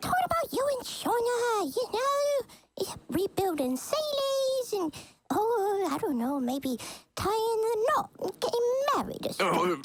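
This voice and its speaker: A man's squeaky, bubbly put-on character voice at extremely high pitch. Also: fairly slow pace. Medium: game stream. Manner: chatty, bubbly.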